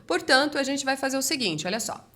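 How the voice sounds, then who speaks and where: A woman speech therapist teaching a voice exercise lesson in an energetic, direct coaching manner. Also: high voice, fast, slight background noise.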